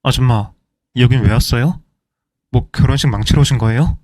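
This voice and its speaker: Give me a man playing a brazen young groom in a story drama who talks down to people, curt and contemptuous, mid-pitched, in a dry and close recording. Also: brisk, a little mellow, no echo, natural voice.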